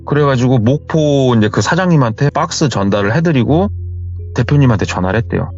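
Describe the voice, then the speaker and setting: Male storyteller, casual chatty retelling, lively swinging pitch, muffled lo-fi sound, soft music behind. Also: a little fast. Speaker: horror story narrator.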